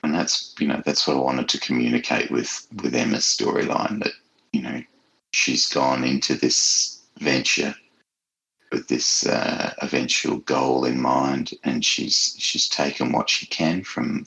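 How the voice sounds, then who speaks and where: A man speaking as an interviewed author, explaining his ideas in a measured, halting, reflective way. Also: a bass voice, vocal fry, bright, forceful tone, breathy edge, rough recording.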